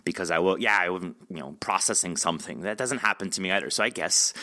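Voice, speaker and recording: A man hosting a casual interview, talking in a rambling, animated way and acting out his reactions. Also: low-pitched, fast talker. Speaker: podcast host interviewing an author.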